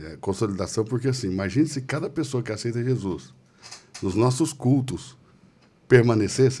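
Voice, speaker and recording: A man with a dark, mellow tone and vocal fry speaks at medium pitch and a moderate pace, with lively intonation, big swings in loudness and long, frequent pauses. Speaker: pastor and podcast host. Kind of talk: casual chat.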